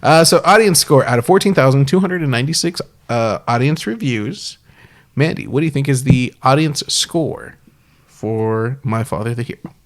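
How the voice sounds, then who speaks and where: A man's voice: mid-range voice, lively intonation, moderate pace. A man from Texas co-hosting a comedy movie podcast, running a quiz game with dry, teasing asides. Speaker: podcast co-host. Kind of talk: casual podcast chat.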